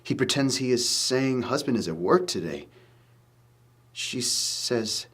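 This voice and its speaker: An actor reading a letter as a grieving man, quiet, in broken English. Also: mid-range voice, animated, takes it slowly, slightly rough, heavily acted. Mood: somber.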